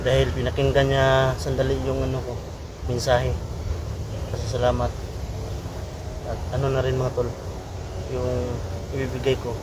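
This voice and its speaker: A man with a Filipino accent narrating a casual outdoor adventure vlog in a halting, repetitive way, addressing his viewers familiarly. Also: medium pitch, completely flat delivery. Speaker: adventure vlogger and host. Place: outdoors in a windy, quiet spot. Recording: noisy outdoor recording with wind.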